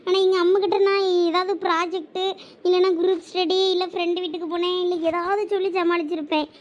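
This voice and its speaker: A woman's voice: very high-pitched, level tone, fast, highs cut off. A woman with a Thoothukudi Tamil accent voicing a fretful college girl in a cartoon, exclaiming in panic and scolding her friend. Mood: worried. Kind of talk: cartoon voice acting.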